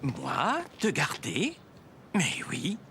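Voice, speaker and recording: An actor playing a kindly, obliging grown man, a neighbour who babysits, genial and gently expressive in a children's cartoon. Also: medium pitch, extremely slow, creaky, very noisy, full character voice. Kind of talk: French children's cartoon dialogue. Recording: music behind.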